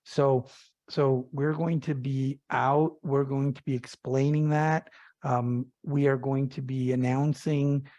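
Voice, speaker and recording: A man's voice: medium pitch, flat delivery, slow pace, mellow, no echo, highs cut off. A man speaking as a company executive, answering investor questions on an earnings call and repeating phrases for emphasis.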